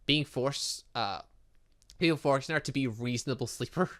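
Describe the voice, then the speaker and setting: A man's voice: medium pitch, moderate pace. A man hosting a gaming video, reading visual novel dialogue aloud with casual asides, stumbling over words and correcting himself. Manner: animated, exclaims and reacts playfully.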